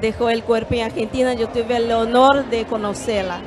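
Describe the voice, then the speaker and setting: A Brazilian woman yoga teacher speaking Spanish in a gentle, measured way with small hesitations, on a handheld mic at a fair stand. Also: on the high side, steady tone, music in the background. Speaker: yoga teacher and holistic therapist. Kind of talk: calm explanatory interview answers. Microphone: handheld microphone.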